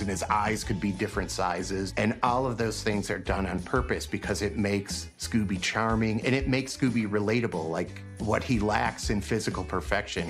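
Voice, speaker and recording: A man with a deep voice talks as an animation expert. It is a documentary interview with music clearly playing underneath.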